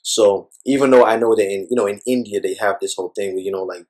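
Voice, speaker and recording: A man's voice: fairly low pitch, fast talker, darkish tone, breathy edge, low-quality recording. A man speaking as an interview guest, talking thoughtfully in a rambling way with many fillers. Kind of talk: reflective personal conversation.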